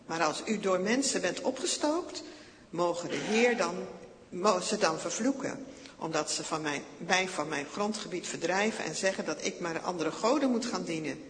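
A man voicing the young warrior David, earnest and calling out loudly. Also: high voice, animated, normal speed, big-room sound, slight background noise. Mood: pleading.

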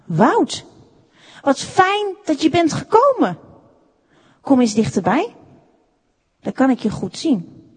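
A woman storyteller gives voice to a kind old woodcarver in a storybook, deep and strong yet gentle and fatherly. He speaks slowly and reassuringly, his lines full of lively rises and falls, inside a long, ringing reverb. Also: full character voice. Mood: gentle, loving. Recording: echoey room with long reverb.

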